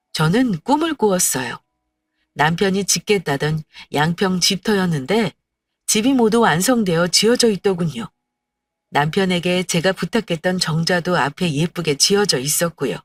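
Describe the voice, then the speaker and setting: A woman's voice: on the low side, breathy edge, no room sound. Woman narrating an emotional story. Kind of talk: scripted first-person story narration. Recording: dry, slightly distant, faint music.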